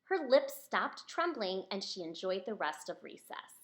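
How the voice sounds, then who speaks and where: A woman's voice: mid-range voice, sing-song, measured pace, fairly bright tone. A woman reading a picture book aloud as its author, speaking expressively to young listeners. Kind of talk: storybook read-aloud to children.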